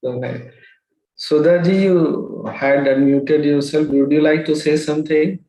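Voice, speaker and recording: A man as spiritual teacher, gently guiding a group meditation over a video call. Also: a little high, fairly even intonation, roomy sound, low-quality recording. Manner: gentle, unhurried and encouraging. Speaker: spiritual teacher leading a session.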